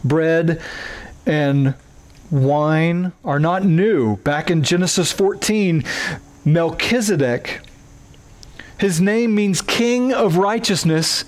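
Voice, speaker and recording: Man, Oklahoma twang, high voice, middle-aged, earnest sermon, pastor. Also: slow pace. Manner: earnest teaching, building through scripture references.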